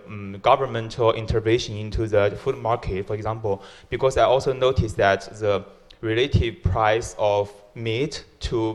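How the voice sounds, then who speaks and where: A man from China asking a question from the floor at a public lecture, hesitant with many fillers, speaking into a roving handheld mic. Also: fairly low pitch. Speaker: audience member asking a question.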